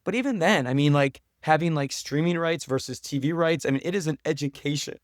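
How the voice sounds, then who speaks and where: American man explaining in a higher-pitched voice. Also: fairly quick, no echo, studio quality. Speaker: podcast guest, documentary director. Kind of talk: conversational interview, storytelling.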